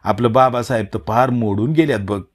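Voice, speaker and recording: A man's voice: mid-range voice, a little fast, natural voice. A male narrator voicing a worried, protective old village mother who talks in rustic speech. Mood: confiding.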